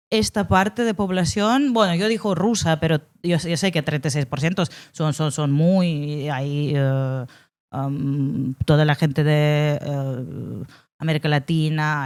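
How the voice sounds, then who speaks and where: Podcast host, foreign-born Barcelona resident; mid-pitched, searching, hesitant questions. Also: clean tone. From abroad, living in Barcelona. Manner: hesitant, with many fillers and restarts while framing questions.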